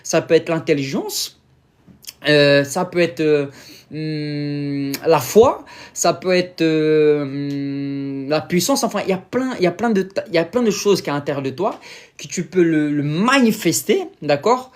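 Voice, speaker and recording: With a slightly high voice, a Brazilian-accented preacher whose first language is Portuguese gives a casual sermon in French, halting frequently with fillers as he reaches for the right words.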